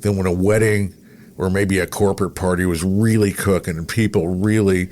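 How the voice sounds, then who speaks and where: Low-voiced middle-aged American man telling stories. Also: fairly even intonation, moderate pace, darkish tone. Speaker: radio show host and broadcaster. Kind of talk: casual anecdotal chat.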